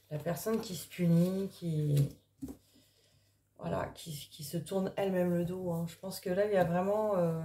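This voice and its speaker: A woman card reader talking casually in an early-morning voice, improvising and thinking aloud in a halting way with trailing pauses. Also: fairly low pitch, dark tone. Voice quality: early-morning voice, which the speaker calls gruff. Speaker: tarot card reader and spiritual coach. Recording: echoey, reverberant room.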